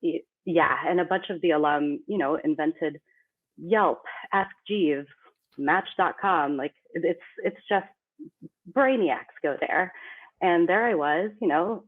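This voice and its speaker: A woman's voice: on the low side, unhurried. A woman from the Philippines, a company CEO, talking casually as a podcast guest in a chatty, self-deprecating way. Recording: tinny phone-like remote line.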